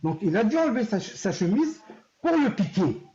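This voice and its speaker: A man's voice: high voice, moderate pace. Defensive man on a dull call line. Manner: defensive, stammering restarts, lively. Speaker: caller in an online debate. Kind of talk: heated live online debate.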